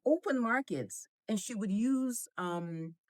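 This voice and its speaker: A middle-aged woman from Nigeria with an American accent, a guest chatting in an interview, animated and quick to laugh. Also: mid-range voice, no echo, clean studio sound. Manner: animated, laughs often, repeats words when starting. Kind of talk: casual interview conversation.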